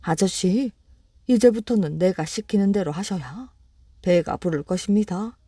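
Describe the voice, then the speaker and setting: A woman's voice: medium pitch, measured pace, warm tone, slightly rough, no echo, clean studio sound. A woman voicing a clever, sly little rabbit in a bedtime storybook reading, talking politely and persuasively. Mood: polite coaxing.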